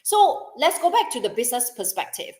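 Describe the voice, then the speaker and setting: A woman's voice: high voice, sing-song, brisk, a little mellow. A middle-aged woman telling a personal story in a chatty way, repeating herself and acting out what others said, as a business coach drawing a lesson from it. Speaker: business coach and podcast host. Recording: echoey room.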